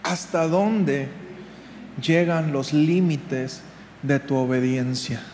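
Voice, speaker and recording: A man's voice: fairly high pitch, slow pace, a little mellow. A man preaching a sermon, dramatic and fond of acting out the voices he quotes. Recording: echoey hall with faint noise.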